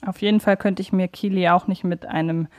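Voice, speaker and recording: A woman's voice: on the low side, fairly even intonation, brisk, slight background noise. A woman co-hosting a casual, conversational podcast interview.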